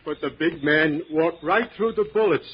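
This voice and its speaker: Scared simple hillbilly handyman, kinda husky, folksy, muffled old radio show. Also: a little high, moderate pace. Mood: frightened, insistent. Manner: hesitant, plain rustic folksy speech. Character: simple, fearful, poor country handyman, male. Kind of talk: 1940s radio thriller acting.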